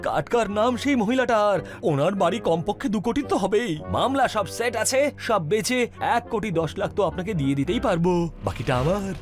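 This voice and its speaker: A shifty cartoon swindler, speaks in a high, hurried voice. He swings between bossy scolding and oily wheedling, with loud music playing behind him. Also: animated. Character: shifty scheming conman, bossy to underlings, grovelling to creditors. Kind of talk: animated cartoon voice acting in Bengali.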